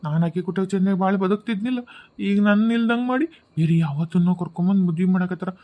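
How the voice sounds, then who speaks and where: A man's voice: sits high, quick pace, dark tone, close to an everyday voice. A man voicing a vengeful North Karnataka husband ghost. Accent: North Karnataka Kannada. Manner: sobbing complaints turning to vengeful threats. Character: newly dead young husband's ghost, bitter, vengeful. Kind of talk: cartoon voice acting.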